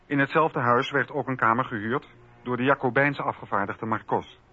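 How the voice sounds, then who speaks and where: A man narrating a historical radio drama from a script in a measured, factual way. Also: medium pitch. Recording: slightly dull radio recording.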